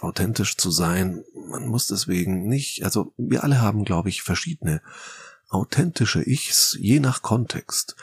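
A man with a German accent hosting a solo podcast as a rhetoric coach, explaining in a lively, conversational way with mock quotes. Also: low voice, vocal fry, breathy edge, dry recording.

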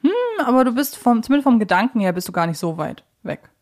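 A woman's voice: mid-range voice, expressive, quick pace. Female podcast co-host, middle register, informal conversational quiz delivery. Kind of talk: casual quiz chat about audio dramas.

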